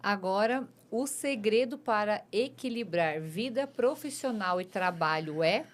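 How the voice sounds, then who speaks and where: Uma mulher apresenta um programa de entrevistas numa rádio. Conversa de forma leve e simpática com o convidado e intercala as perguntas com pequenas histórias pessoais. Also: female voice, medium pitch, animated, unhurried. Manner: friendly and talkative, tells her own anecdotes. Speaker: radio show host. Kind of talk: radio interview, casual chat.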